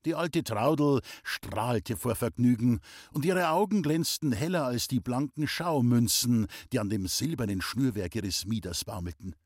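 An audiobook reader narrates a novel aloud in a calm, measured storytelling style. His medium-pitched voice is captured with clean studio sound and no echo.

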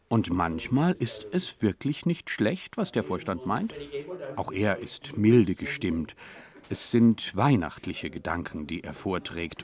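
Gravelly low-voiced male storyteller. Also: a little mellow. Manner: measured, descriptive storytelling. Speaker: narrator. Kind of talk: scripted story narration.

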